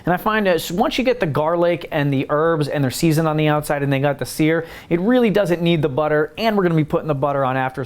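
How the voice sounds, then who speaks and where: A man hosting a home cooking tutorial, chatting casually and explaining each step as he works in his kitchen. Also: fairly high pitch. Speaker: home cooking channel host.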